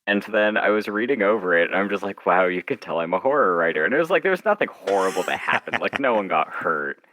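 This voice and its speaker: A man being interviewed as an author, chatting casually in a wry, self-deprecating way, haltingly and with little acted-out asides. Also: sits low, sing-song, pushed and bright, dry recording.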